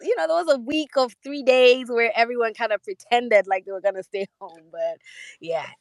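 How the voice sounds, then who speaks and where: A young woman from Kenya, a musician guest speaking casually over a remote call, rambling with restarts and soft laughs. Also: fairly high pitch, moderate pace, no echo. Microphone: remote call audio.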